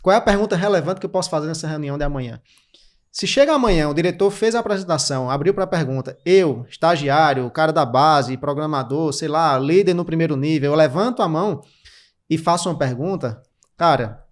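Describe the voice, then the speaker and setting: A Brazilian man in his thirties, a podcast guest, explaining career habits in quick, clipped lists with lots of energy. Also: on the high side. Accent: Brazilian Portuguese. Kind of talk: didactic interview talk.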